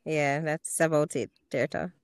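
A woman's voice: low voice, fairly even intonation, a little slow, clear, resonant tone, no echo, clean studio sound. A woman from Jamaica co-hosting a casual talk show, teasing and playful in banter. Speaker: podcast co-host. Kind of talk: casual chat.

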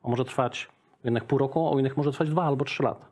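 A man's voice: medium pitch, fast talker, darkish tone. A middle-aged man, a business owner, talking in a casual interview and explaining with examples, often checking in with "tak?".

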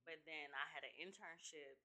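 A woman's voice: deep voice, moderate pace, pushed and bright. A woman with an African American Detroit accent chatting casually as a podcast guest, playful and slangy in her manner. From Detroit, Michigan, USA. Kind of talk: casual interview chat.

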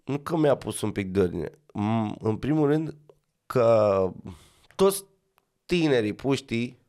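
A man with a Romanian accent, a rally co-driver and actor, chatting casually as a podcast guest, animated and slangy, laughing often. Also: mid-range voice.

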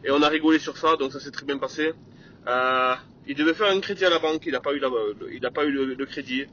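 A man's voice: a little high, fast talker, bright, forceful tone, highs cut off, a little hiss or hum. A man hosting his own podcast, talking energetically in a casual solo monologue, with lots of fillers and bits of English sales jargon. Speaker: podcast host.

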